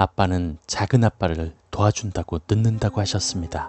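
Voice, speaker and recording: Here a man has an unremarkable speaking voice. He talks at a moderate pace with ordinary pitch variation. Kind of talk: horror narration. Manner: formal, hushed storytelling that builds suspense.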